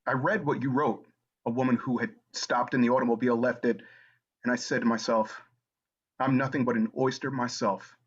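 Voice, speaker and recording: A man acts a stolid oysterman in a stage play, simple and direct. The voice is husky, at a middle pitch. The sound is somewhat dull, from a video call. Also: steady tone, fairly quick, natural voice. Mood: matter-of-fact. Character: plain, stolid male oysterman from the Cape.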